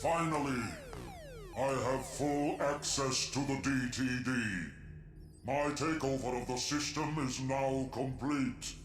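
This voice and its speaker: Echoing, slow, menacing computer villain played by a man. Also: mid-range voice, fairly even intonation, music in the background, close to an everyday voice. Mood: smug menace. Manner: deliberate, menacing, formal. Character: cold, domineering computer program villain seizing a system. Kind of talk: video game villain acting. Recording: echoing game audio.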